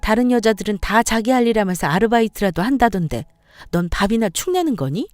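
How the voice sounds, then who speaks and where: A woman voicing a sharp-tongued, sarcastic sister-in-law who bosses and belittles her brother's wife. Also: medium pitch, lively intonation, brisk, dry recording, studio quality, natural voice. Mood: scornful. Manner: sarcastic, bossy, needling.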